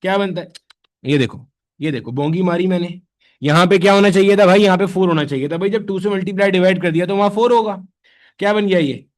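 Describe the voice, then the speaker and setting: A man leads a physics lesson in a high, bright-toned voice. He talks to the class casually, firing off questions and answering them himself. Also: fast. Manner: conversational, answers his own questions in students' voices. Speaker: physics teacher. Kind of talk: classroom lecture.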